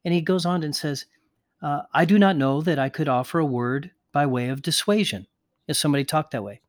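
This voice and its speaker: A man's voice: on the high side, no echo, clean studio sound. A man co-hosting a podcast discussion, talking earnestly and reading quotations aloud with small restarts. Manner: earnest, reads quotes aloud with pauses and restarts. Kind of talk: conversational discussion with quoted readings.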